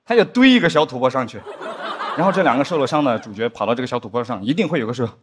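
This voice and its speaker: A man performing a stand-up comedy set on a studio stage, acting out drama scenes with big pitch swings. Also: lively intonation, very fast, background noise. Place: studio stage with live audience.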